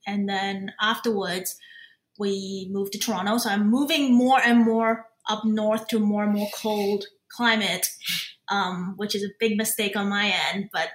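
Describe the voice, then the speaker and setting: A woman's voice: medium pitch, steady tone, unhurried, roomy sound. A woman who grew up in Australia, a podcast guest chatting casually and laughing easily. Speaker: guest, cooking YouTuber.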